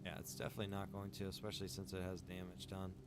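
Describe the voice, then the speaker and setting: A man with a low voice streams a game, thinking aloud in casual, rambling chat. He talks rapid-fire yet in a completely flat delivery, and the background noise comes through clearly.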